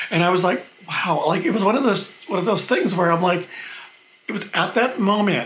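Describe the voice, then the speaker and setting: A man's high-pitched voice with fairly even intonation at a moderate pace, amid noticeable background noise. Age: 40s. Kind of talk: casual vlog talk to camera.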